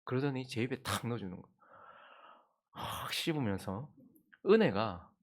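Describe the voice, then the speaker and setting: A male pastor preaching at an early-morning service, his pitch rising and falling widely as he tells an anecdote. His voice sits in a middle range, and he talks straight to the congregation. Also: moderate pace. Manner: animated storytelling, addresses the congregation. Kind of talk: anecdotal dawn-service sermon.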